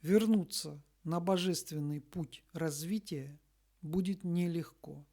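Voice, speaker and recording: Slow, solemn woman reading scripture-like text. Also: lowish voice, warm tone. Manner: measured, deliberate, with long pauses between short phrases. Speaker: spiritual messenger reading a message.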